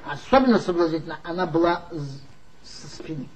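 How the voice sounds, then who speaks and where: A man's voice: on the high side, animated, fairly quick, slight background noise, natural voice, poor audio. An actor playing a tipsy former magazine worker who mockingly gossips about his old boss in a 1960s radio play. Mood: gossipy. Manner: gossipy, mocking, confiding storyteller.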